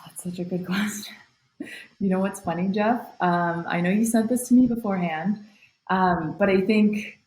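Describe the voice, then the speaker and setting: A woman's voice: lowish voice, a little mellow, echoey room, low-quality recording. A young woman from Taiwan, a nonprofit founder, talking reflectively as a podcast guest with many fillers. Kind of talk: podcast interview.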